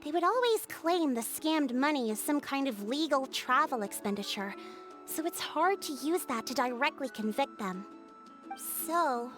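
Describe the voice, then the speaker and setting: A woman with a high-pitched voice plays a tribe chief in a video game, composed and diplomatic. She speaks in a polite, measured, formal way while recounting legends and explaining plans.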